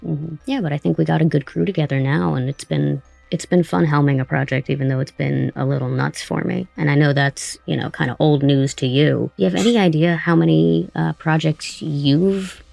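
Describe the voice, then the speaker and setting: A woman with a noticeably creaky voice hosts a relaxed interview. She is chatty and attentive, a little self-deprecating. The sound is close and dry, with faint music behind her. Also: sits low, normal speed, hardly any pauses, dry recording. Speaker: interview host, audio drama director. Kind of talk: casual interview chat.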